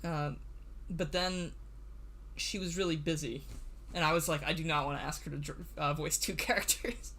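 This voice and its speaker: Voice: medium pitch, steady tone, moderate pace, fairly bright tone. A livestream host and series writer chatting casually on a computer mic, nervous, stammering and laughing often.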